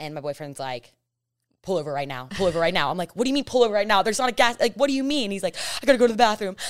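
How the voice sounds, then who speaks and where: Speaking at a very fast pace in an American accent, the voice makes very wide pitch swings over a very clean recording with a silent background. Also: woman, medium pitch for a woman. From US South. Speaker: sales representative. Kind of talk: casual chat.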